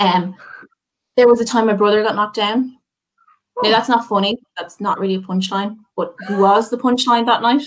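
Against a quiet background, a woman with a fairly high pitch talks at a fairly quick pace in fairly even intonation, leaving long, frequent pauses. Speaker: comedian. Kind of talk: casual banter and short stand-up set. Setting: video call. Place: home room. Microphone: webcam.

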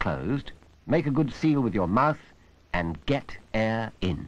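A man talks at a fairly slow pace with vocal fry and very wide pitch swings. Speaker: narrator of a training film. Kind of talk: scripted narration. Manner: formal.

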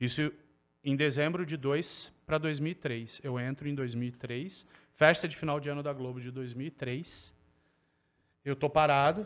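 Taking long, frequent pauses, a man speaks at a fairly slow pace with fairly even intonation. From Rio de Janeiro, Brazil. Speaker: sports journalist. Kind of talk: casual chat. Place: studio.

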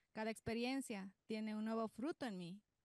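A woman speaks in an unremarkable speaking voice at a moderate pace with fairly even intonation. The sound is dry with no echo, over a quiet background. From Bolivia. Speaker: church volunteer captain. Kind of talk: testimony. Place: hall.

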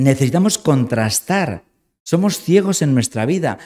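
A man with a fairly high pitch, a dark, mellow tone and very wide pitch swings over a quiet background. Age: 60s. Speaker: bishop; bishop giving a lecture. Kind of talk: lecture. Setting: conference talk at a school. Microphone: camera far.

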